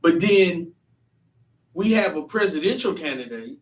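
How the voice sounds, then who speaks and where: Man host of a church panel, emphatic and earnest, a touch high, echoey and off-mic. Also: expressive, unhurried. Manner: earnest, emphatic, often restarting sentences. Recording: echoey room, mic at a distance.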